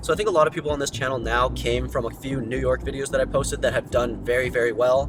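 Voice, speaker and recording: Speech at a very fast pace runs over music in the background. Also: man. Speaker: student filmmaker and vlogger. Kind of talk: casual Q&A vlog. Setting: in a car, driving. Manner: articulate.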